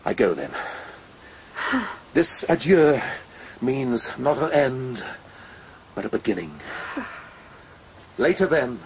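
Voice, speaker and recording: An actor playing a pompous, amorous colonel in a radio drama, wooing ardently with breathy murmurs. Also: male voice, medium pitch, sing-song, slow pace, pauses often, slight background noise. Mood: ardent, urgent. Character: smug, amorous colonel and nobleman, ardent would-be seducer. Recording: radio play with clear background ambience.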